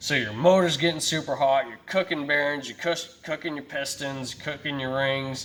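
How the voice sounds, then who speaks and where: Amid noticeable background noise, a man talks with big swings in loudness and hardly any pauses. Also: fairly high pitch for a man, fairly even intonation, moderate pace. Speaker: diesel truck YouTuber. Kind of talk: casual tutorial. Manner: halting.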